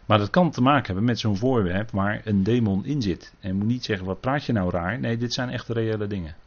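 A man's voice: on the low side, fairly quick. A man teaching a Bible sermon, earnest and cautious, often checking in with his listeners. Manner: frequent tag questions, earnest and cautious. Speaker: preacher. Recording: dull lo-fi recording.

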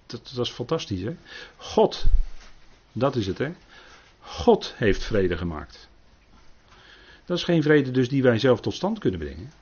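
A man's voice: medium pitch, sing-song, normal speed, darkish tone, slightly rough. A man teaching on scripture in a sermon style, emphatic, with frequent tag questions and rising stresses. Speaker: preacher. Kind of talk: bible study talk. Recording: muffled lo-fi recording.

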